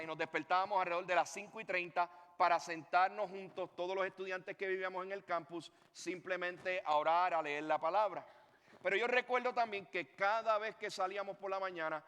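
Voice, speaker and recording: A pastor preaching a sermon, a man with a high, bright voice. He tells his story with lively swings and asides to the congregation. His voice rings out in a hall with a long reverb. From Puerto Rico.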